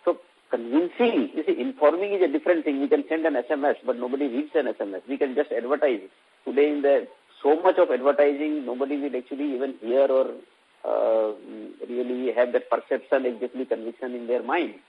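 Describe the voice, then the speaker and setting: A man's voice: mid-range voice, fairly even intonation, a little fast, breathy edge. An Indian-accented man, a company executive, explaining emphatically and repetitively as he answers questions on an investor conference call. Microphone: conference call phone line. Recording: muffled, very narrow phone-line audio.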